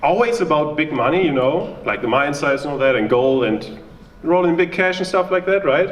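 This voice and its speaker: A man with a German accent talks at a moderate pace with lively intonation. Noticeable background noise and audible room echo fill the recording. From Germany. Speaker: stand-up comedian, backpacker. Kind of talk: stand-up. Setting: stage with audience.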